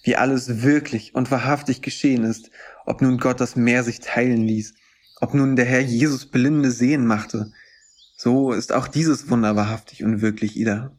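A man's voice: medium pitch, steady tone, normal speed, a little mellow, natural voice. A man playing a youthful preacher in a German audio drama, speaking with solemn, intense and persuasive conviction. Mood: fervent, assuring. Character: fervent youthful boy preacher, gentle and persuasive. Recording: music under the voice.

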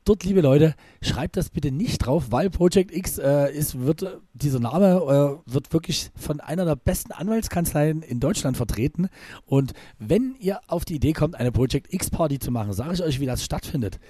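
A man co-hosting a podcast in casual chat, with a slightly husky voice, rambling with many restarts and fillers. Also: a little high, animated, normal speed, warm tone, dry recording, clean studio sound. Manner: rambling, restarts often with filler sounds, chuckles. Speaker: podcast co-host and DJ.

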